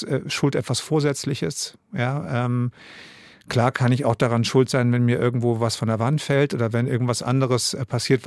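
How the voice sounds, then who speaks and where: A German man in his fifties, a radio drama director and author, answering interview questions thoughtfully with frequent pauses and restarts. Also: medium pitch, dry recording, studio quality. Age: 50s. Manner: thoughtful, many hesitations and restarts.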